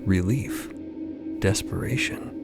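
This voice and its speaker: A man narrating an audio drama in a deliberate, suspenseful scripted style. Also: over music.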